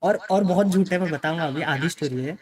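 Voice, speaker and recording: A young man shares a casual story with viewers, emphatic in delivery, dropping in English phrases and the filler "okay" again and again. He talks fairly quickly in a slightly high voice.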